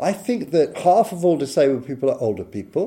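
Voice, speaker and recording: Speaking with a British accent, a man uses a dark, mellow tone and very wide pitch swings. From Britain. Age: 50s. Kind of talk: interview.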